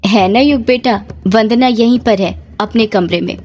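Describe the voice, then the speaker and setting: A woman's voice: on the high side, unhurried, darkish tone, a little hiss or hum, natural voice. A woman voicing a kind, motherly older aunt who soothes and persuades, in a spoken horror story. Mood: gentle.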